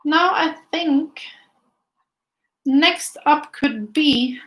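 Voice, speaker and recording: A woman's voice: high-pitched, drawn-out words, a bit bright, poor audio. A woman, teaching a casual live painting class, thinking aloud in short phrases as she works and chatting with viewers. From Finland. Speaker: art teacher.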